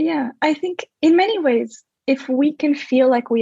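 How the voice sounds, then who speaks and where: A woman speaks in an Australian accent with a dark, mellow tone and ordinary pitch variation. The sound is dry and close, without any echo. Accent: Australian accent, noticeable. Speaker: podcast guest. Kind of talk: interview.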